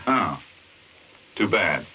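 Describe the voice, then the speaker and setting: A well-mannered doctor in a vintage radio thriller. The voice is bright and forceful at a middling pitch, moving up and down in an animated way. The old recording has a faint hiss. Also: male voice, very slow, exaggerated voice. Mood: polite, curious. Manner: polite, well-spoken. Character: polite male doctor drawn into a deadly game. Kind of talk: old-time radio drama acting.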